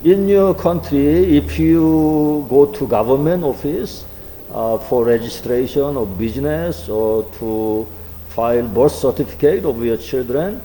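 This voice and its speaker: Male teacher for a language lesson, slow and halting, very dark and mellow tone, long reverb on the voice. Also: mid-range voice, a little hiss or hum. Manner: slow, halting, many fillers. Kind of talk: online class lecture.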